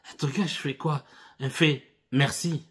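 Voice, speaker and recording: Speaking fast in a husky, slightly high voice, a man in his thirties who teaches driving shares funny stories with viewers. He addresses them as "les gars" in a casual, animated telling to camera.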